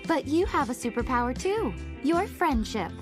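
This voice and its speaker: Cartoon girl sidekick, perky and earnest, high animated voice over music. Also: normal speed. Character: perky young woman superhero sidekick. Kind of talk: cartoon comedy voice acting. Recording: music behind the voice.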